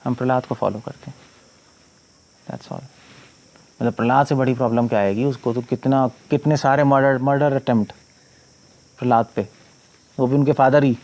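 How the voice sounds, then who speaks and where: A man's voice: medium pitch, steady tone, darkish tone. Man giving a scripture talk. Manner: recites verses slowly, then explains in conversational speech mixed with English phrases. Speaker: monk teaching scripture. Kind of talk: scripture discourse.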